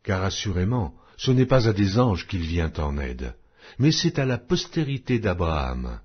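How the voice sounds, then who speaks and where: A man with a lowish, rough-edged voice narrates scripture from a script. His delivery is solemn and declamatory, with intonation that rises and falls widely. The recording is somewhat muffled and lo-fi. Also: very animated, a little slow. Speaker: audiobook narrator reading scripture. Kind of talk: scripted Bible reading. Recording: dull lo-fi audio.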